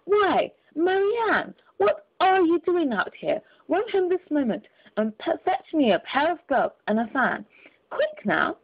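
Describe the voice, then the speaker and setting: A woman voicing a fussy, anxious male white rabbit in a storybook reading, exclaiming in a high, agitated voice. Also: big pitch swings, unhurried, full character voice. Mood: angry. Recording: tinny phone-like audio.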